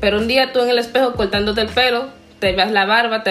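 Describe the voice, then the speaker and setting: Very fast-paced woman over noticeable background noise. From Dominican Republic. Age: 20s. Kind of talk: casual interview.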